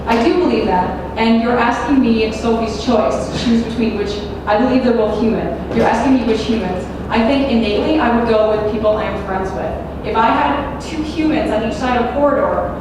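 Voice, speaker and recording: A woman's voice: fairly high pitch, brisk, hardly any pauses. A young woman debating as a student, answering defensively and turning questions back on her opponent. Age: young adult. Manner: defensive, deflects with counter-questions. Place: large echoey university hall. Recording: echoey hall, distant mic, room noise.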